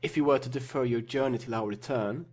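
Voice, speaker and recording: Husky, mocking young gentleman, played by a man. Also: mid-range voice, brisk, lightly acted. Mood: reasoning. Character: sardonic, smooth-talking young English gentleman. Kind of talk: dramatised classic novel reading.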